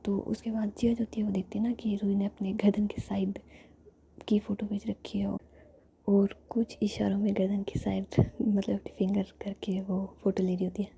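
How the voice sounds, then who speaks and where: A woman narrating a romantic story in a steady whisper. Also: medium pitch, moderate pace, creaky, husky. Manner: soft whisper throughout, flat delivery.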